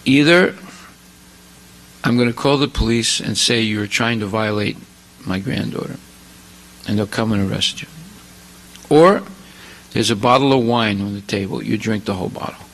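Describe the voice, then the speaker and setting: Man playing a cold blackmailing old grandmother, blunt threats, bright gravelly voice. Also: fairly low pitch, normal speed, long pauses, rough recording. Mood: threatening.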